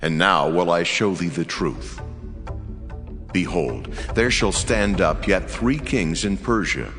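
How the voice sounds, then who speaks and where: A man playing a solemn, mighty angelic messenger in a dramatized scripture reading, measured and commanding. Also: low-pitched, fairly bright tone, exaggerated voice. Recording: long reverb, music behind. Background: music.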